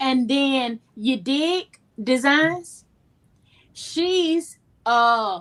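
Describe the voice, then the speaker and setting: At a very slow pace with long, frequent pauses, a woman with a high pitch and a Southern US accent uses lively intonation on a very clean recording with a silent background. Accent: Southern-sounding, likened to New Orleans. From Virginia, born in New Jersey. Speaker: online show host. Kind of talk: casual chat.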